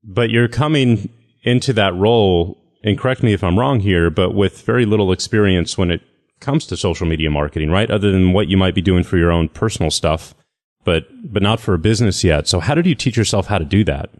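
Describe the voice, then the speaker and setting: A man hosting an interview podcast, relaxed and conversational. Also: deep voice, fairly quick. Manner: relaxed conversational, uses "y'all". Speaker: podcast host.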